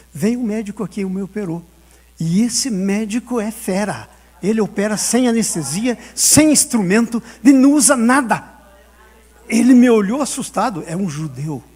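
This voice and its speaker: Male pastor, high and slightly husky; storytelling sermon, acts out dialogue. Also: expressive, a little fast, a little mellow. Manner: storytelling, acting out dialogue, laughing often.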